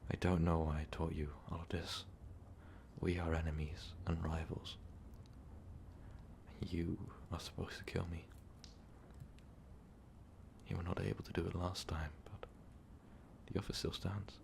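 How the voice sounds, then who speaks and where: A man playing a lovestruck, remorseful vampire overlord in an ASMR roleplay, speaking in a halting, breathy, confessional way. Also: flat delivery, a little mellow, slight background noise. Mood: pained, resigned. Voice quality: breathy, whispery, gravelly low voice. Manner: halting, slow, confessional, formal wording. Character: tormented, lovestruck male vampire overlord, remorseful ruthless conqueror. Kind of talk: ASMR roleplay, intimate monologue to listener.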